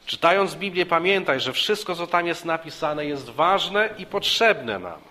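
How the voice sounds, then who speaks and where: A man preaching a sermon, earnest and repeating himself with small restarts, rising for emphasis and dropping low and soft. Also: expressive, a little slow. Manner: earnest, repeats phrases with restarts, rises for emphasis and drops softly.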